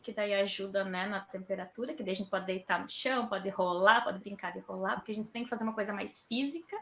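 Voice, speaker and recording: A woman's voice: medium pitch, fast, pushed and bright, a little hiss or hum. A woman, a mother of autistic twins, chatting casually on a video call from her home toy room and acting out her children's words. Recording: dull echoey home room.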